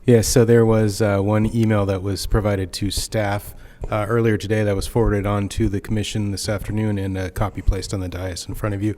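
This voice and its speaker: A man speaking as city staff at a public meeting, measured and procedural. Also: lowish voice, little pitch movement, darkish tone, a little hiss or hum. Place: council chamber.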